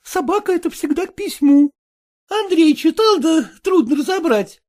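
A woman's voice: very high voice, animated, moderate pace, mellow. A woman voicing an eager, impatient young peasant woman who presses and pleads in folksy speech. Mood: chatty.

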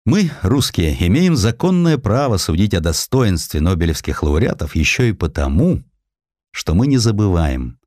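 A man's voice: low voice, very animated, normal speed, darkish tone, no echo. A man narrating a historical essay with theatrical, emphatic, scripted delivery.

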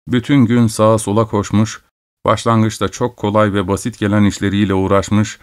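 Low-voiced male audiobook narrator. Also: smooth, no echo, clean studio sound.

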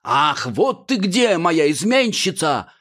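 A male reader playing a furious bourgeois bridegroom, a ham stage villain shouting threats. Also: fairly high pitch, sing-song, slow pace, voice pushed up, exaggerated voice. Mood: furious, threatening.

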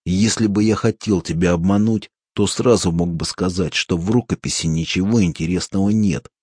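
A man voicing a calm, wry former male seminarian in an audiobook, speaking in a mocking, low-key way. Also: moderate pace, husky, no echo, clean studio sound.

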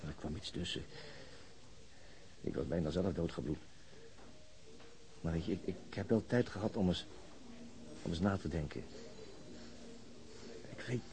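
A weary stammering detective. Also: male voice, deep voice. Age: late 40s. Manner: hesitant, stammering, resigned. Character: weary middle-aged police detective. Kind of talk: Dutch radio drama acting. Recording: radio play with soft music underneath.

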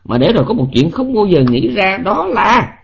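Husky Southern Vietnamese monk lecturing. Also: male voice, sits high, sing-song, normal speed. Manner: emphatic, scolding rhetorical questions. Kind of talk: dharma lecture. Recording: lo-fi online voice chat audio.

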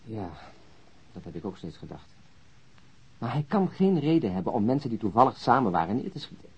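Muffled, very husky, dark-voiced detective. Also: male voice, fairly low pitch, sing-song, heavily acted. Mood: dry, analytical. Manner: deliberate, expository. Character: dry, reasoning senior male homicide detective. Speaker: actor. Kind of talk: radio crime drama acting. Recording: muffled, dull radio drama recording.

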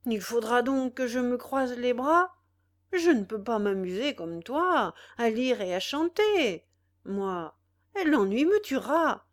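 A woman voicing an elderly farmer father who grumbles in plain, slow words, in a read-aloud novel. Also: on the high side, big pitch swings. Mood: grumbling. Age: older.

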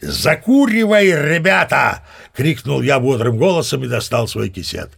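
Gravelly, boastful old sea captain. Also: male voice, mid-range voice, animated, normal speed, a bit bright, full character voice. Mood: commanding. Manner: chatty, self-satisfied storyteller addressing the listener. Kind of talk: audio play storytelling monologue.

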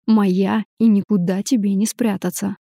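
Женщина читает одержимого злого парня. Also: female voice, medium pitch, steady tone, normal speed, creaky, mellow, dry recording, clean studio sound. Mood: menacing. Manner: menacing, obsessive. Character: possessive angry young man, ex-lover.

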